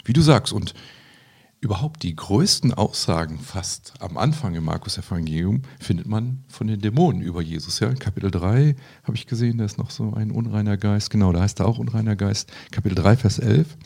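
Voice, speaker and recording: A man's voice: on the low side, brisk, gravelly, darkish tone, slightly rough. A man in casual conversation about a Bible passage, asking his partner questions and reading verses aloud. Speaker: Bible study co-host.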